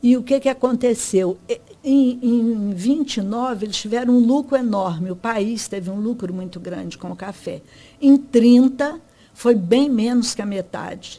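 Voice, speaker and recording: A woman speaks at a fairly slow pace with a fairly high pitch and a dark, mellow tone. Her loudness swings widely. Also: ordinary pitch variation. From Brazil, Itaperuna in northern Rio de Janeiro state, near Minas Gerais. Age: 70s. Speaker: interview guest telling her life story. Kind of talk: casual interview.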